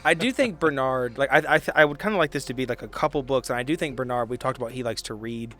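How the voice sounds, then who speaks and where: A man chatting casually as he narrates his part in a tabletop roleplay, halting as he thinks aloud. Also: medium pitch, a bit bright. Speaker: podcast player.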